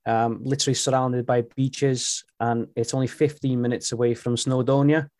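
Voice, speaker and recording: A man's voice: medium pitch, flat delivery, normal speed, darkish tone, dry recording, studio quality. Laughing Welsh man, guest on a call. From Wales. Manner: friendly, laughs often, restarts words. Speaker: podcast guest. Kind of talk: casual interview chat. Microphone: remote call.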